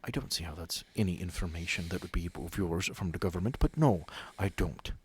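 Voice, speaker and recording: A man's voice: sits low, lively intonation, brisk, husky, heavily acted. A man playing a stern, curt female head nurse of a sanatorium in a tabletop horror game, speaking with clipped authority. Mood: curt, haughty.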